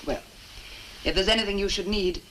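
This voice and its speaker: An actress playing a sinister woman innkeeper in a 1960s horror film, speaking formally and with measured courtesy. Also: mid-range voice, a bit bright, close to an everyday voice. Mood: cool, formal. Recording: noisy old film soundtrack.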